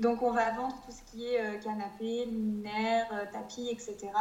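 At a fairly high pitch, a woman speaks at a very slow pace, with audible room echo around her. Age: 20s. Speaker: interior architect and business owner. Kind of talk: interview conversation.

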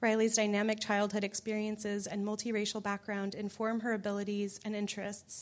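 A woman at a medium pitch, with monotone, flat intonation, a fairly quick pace and hardly any pauses. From Austin, Texas. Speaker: clothing designer and shop owner. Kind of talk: event welcome and speaker introductions. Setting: stage with audience.

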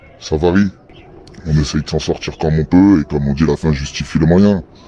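A man talks at a moderate pace with a very deep, low pitch. His intonation is fairly even, and there is noticeable background noise. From France, Lyon. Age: 30s. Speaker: drug dealer. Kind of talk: interview. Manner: halting.

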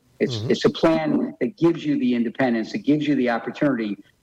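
A man is speaking. His pace is very fast. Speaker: insurance expert. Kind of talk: panel discussion.

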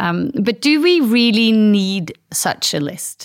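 A woman with lively intonation, on a very clean recording with a silent background. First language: Norwegian. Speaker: podcast host. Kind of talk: interview; scripted narration.

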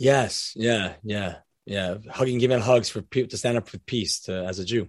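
A man with an unremarkable speaking voice talks at a moderate pace in a fairly low pitch, his loudness swinging widely while his pitch varies in an ordinary way. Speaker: podcast host. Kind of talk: casual interview chat. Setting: video call.

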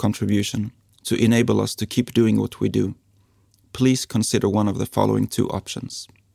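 A man speaks at a fairly quick pace while music plays in the background. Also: dry, close sound with no echo. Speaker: podcast host. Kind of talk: interview conversation.

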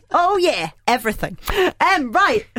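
Pitch swings very widely as the speech proceeds at a moderate tempo. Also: woman. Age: 30s. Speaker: podcast host. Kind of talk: casual chat; reading listener mail.

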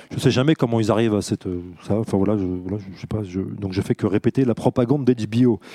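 Very fast and with ordinary pitch variation, a man speaks at a fairly low pitch with a dark, mellow tone, in a dry, close sound with no echo. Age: 40s. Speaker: historian giving a public talk. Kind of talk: lecture. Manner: hesitant, many fillers.

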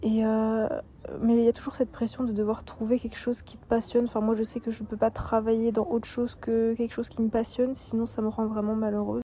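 Talking at a very fast pace with monotone, flat intonation, a woman with a fairly high pitch swings widely in loudness over noticeable background noise. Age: 20s. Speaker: listener, recent communications graduate. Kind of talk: voice message testimony.

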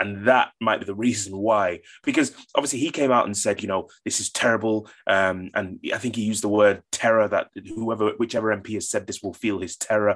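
A man with a plain, everyday voice and a fairly low pitch talks at a fairly quick pace with fairly even intonation, the background quiet. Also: hardly any pauses. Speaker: podcast host. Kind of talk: casual political commentary chat.

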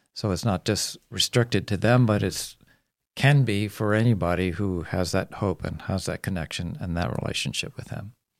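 A man with a plain, everyday voice speaks at a moderate pace, his fairly low pitch showing ordinary variation. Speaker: podcast host. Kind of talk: casual chat. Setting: studio.

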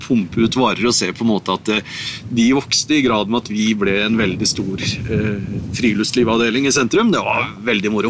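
Noticeable background noise runs under this man's voice. He speaks at a fairly quick pace and a medium pitch. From Norway, Otta in Gudbrandsdalen. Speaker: mountain lodge manager. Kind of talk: casual interview. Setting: outdoors on a mountain.

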